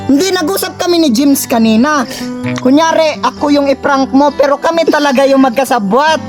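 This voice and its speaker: Male prank vlogger with a very high pitch, mock-angry nagging that turns to pleading, music under the voice. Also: moderate pace. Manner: mock-angry scolding, then coaxing and apologetic. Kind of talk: casual prank vlog.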